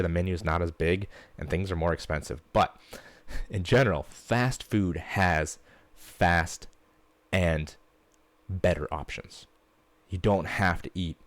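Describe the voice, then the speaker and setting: Male fitness coach hosting a solo podcast: low voice, dry close mic, blunt and passionate. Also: no room sound. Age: young adult to middle-aged parent. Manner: blunt and fired-up, swears casually. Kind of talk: casual solo podcast monologue.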